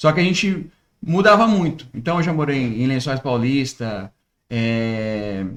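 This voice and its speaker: This man has an unremarkable speaking voice at a medium pitch. He talks at a fairly slow pace with lively intonation. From interior of São Paulo state, Brazil. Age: 30s. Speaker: church elder and youth leader. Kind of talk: podcast interview.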